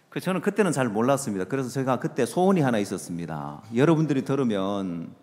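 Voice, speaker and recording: A middle-aged man preaches a sermon, his voice swinging widely up and down in pitch. He keeps asking the congregation questions and drops to quiet asides at the ends of phrases. The sound carries a long reverb from a large hall. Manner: lively, rhetorical questions to the audience, trails off with low asides. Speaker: pastor.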